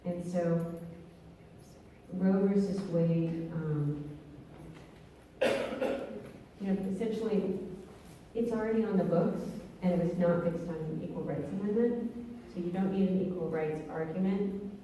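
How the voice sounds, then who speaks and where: A woman attorney fields questions from the audience in a measured, hedging way. Her voice is low and dark. It rings through a reverberant church hall, picked up from well back. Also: a little hiss or hum. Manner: measured, hedging, thinks aloud. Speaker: attorney on a panel. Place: church hall at a public meeting. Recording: roomy hall, mic far off.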